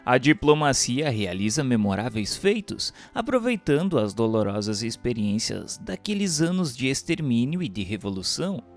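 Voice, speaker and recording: A man's voice: medium pitch, very animated, moderate pace, few pauses. A man reads a scripted book narration in a solemn, formal manner with emphatic phrasing. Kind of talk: scripted audiobook-style narration of a book chapter. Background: music under the voice.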